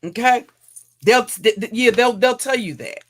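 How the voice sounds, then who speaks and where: Woman streamer, deep heavy voice, taunting and crude, loops back over her own lines. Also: moderate pace, fairly bright tone. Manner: mocking, insulting, repeats and restarts phrases. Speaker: livestream commentator. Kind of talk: profane roast rant.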